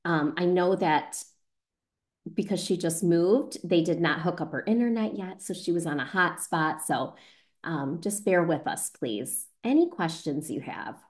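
A woman's voice: lowish voice, a little slow. A woman casually hosting a video call in a reassuring, encouraging way. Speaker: online event host.

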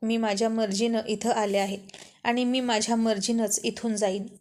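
A woman's voice: fairly high pitch, flat delivery, moderate pace, a little mellow, lightly acted. A woman voicing a headstrong, defiant young woman who argues and pleads in a told love story.

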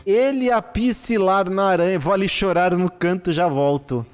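A man, commentating a live gaming stream, excitable and exclaiming and swearing at what he gets. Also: high-pitched, moderate pace, clean tone. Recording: long reverb with faint music behind. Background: faint background music.

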